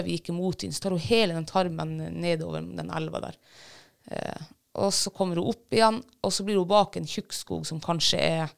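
A woman's voice: lowish voice, vocal fry, clean tone. A woman, a bird dog handler, casually retelling a field trial with many fillers and restarts. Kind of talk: casual storytelling.

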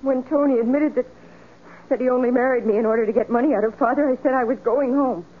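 An actress playing a shy, frightened young woman accused of murder, pleading and halting in 1940s radio drama style. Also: a little high, natural voice. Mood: shaken. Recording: tinny 1940s radio recording.

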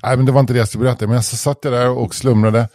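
A man spins a rambling anecdote on a podcast, often restarting his sentences and swearing casually. His voice is mellow and dark. It is recorded dry and close, with no room sound. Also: medium pitch, steady tone, no room sound. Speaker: podcast co-host. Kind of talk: casual chat, anecdote telling.

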